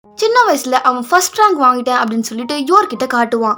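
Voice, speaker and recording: A woman's voice with very wide pitch swings against noticeable background noise. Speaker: anime voice-over narrator. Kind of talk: anime episode recap narration. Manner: casual, storytelling.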